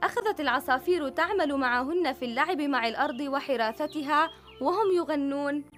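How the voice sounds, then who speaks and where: A woman narrating a children's story in a warm, expressive storytelling voice. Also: sits high, brisk, soft background music.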